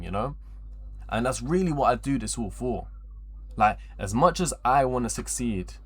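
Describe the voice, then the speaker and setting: Speaking in a husky, mid-range voice, a twenty-year-old guy talks to his livestream audience. He wanders from point to point, repeats himself, uses lots of slang and swears often.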